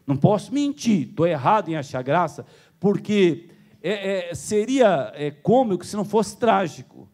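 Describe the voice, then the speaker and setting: A Brazilian pastor preaching in church with a fairly high voice that swoops widely as he tells his stories. He chuckles through the anecdotes and leaps higher still when excited, with a Brazilian Portuguese accent throughout. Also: measured pace. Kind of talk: sermon.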